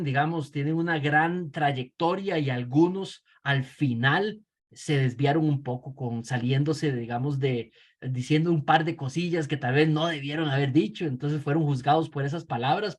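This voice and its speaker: A middle-aged man with a Costa Rican accent, teaching theology in a conversational lecture full of fillers and tag questions. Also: fairly high pitch. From Costa Rica. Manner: conversational, frequent fillers and "¿verdad?" tags. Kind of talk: lecture with personal anecdote.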